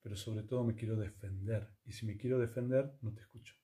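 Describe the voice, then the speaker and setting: A man, teaching yoga and conscious communication in a calm, reflective talk full of rhetorical questions. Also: on the low side, quick pace, a little hiss or hum. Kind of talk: reflective spiritual talk to listeners.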